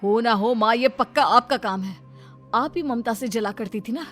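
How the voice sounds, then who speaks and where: A woman's voice: on the high side, normal speed, a bit bright, soft background music, close to an everyday voice. A woman voicing a worried young husband who urgently accuses his mother.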